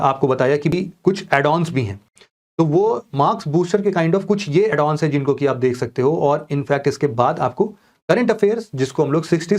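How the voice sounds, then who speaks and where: A man's voice: a little high, a little mellow. A man teaching exam aspirants, explaining a course plan in a conversational way and mixing in English words. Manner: conversational, mixing English words into Hindi, addressing students directly. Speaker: online exam coaching teacher. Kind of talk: explaining a course schedule to students.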